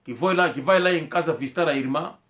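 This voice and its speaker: A man's voice: a little high, fast talker, fairly bright tone. A man tells a personal story in a casual monologue, rambling and repeating himself as he acts out quoted dialogue. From Angola. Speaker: commentator telling a personal story.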